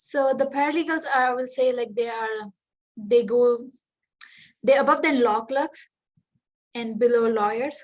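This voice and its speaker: A woman with a strong Indian accent speaks at a fairly slow pace and a high pitch, with fairly even intonation and long, frequent pauses. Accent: heavy Indian. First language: Indian language (not English). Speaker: lawyer. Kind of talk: interview.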